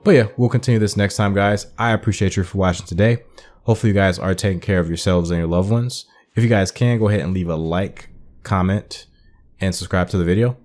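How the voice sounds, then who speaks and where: Low-voiced man, casual gaming commentary. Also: fast talker, a little mellow. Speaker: gaming video host. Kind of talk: casual game playthrough commentary.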